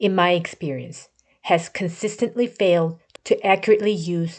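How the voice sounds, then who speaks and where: This woman has a Korean accent and a fairly low pitch. She talks at a moderate pace with fairly even intonation. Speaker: English teaching researcher. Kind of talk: scripted narration. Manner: formal.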